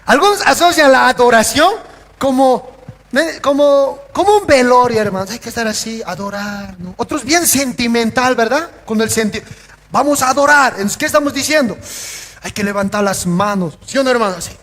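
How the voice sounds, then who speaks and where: A pastor preaching a sermon, asking the congregation questions and acting out little scenes in different voices. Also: male voice, very high-pitched, normal speed, fairly bright tone. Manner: acts out scenes in varied voices. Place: church. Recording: church hall reverb.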